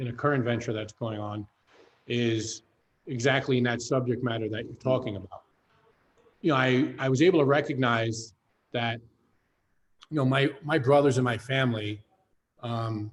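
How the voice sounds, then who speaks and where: At a moderate pace with long, frequent pauses, a man speaks at a medium pitch, his intonation fairly even and his voice somewhat breathy. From New York, Brooklyn. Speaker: business executive. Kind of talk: podcast interview.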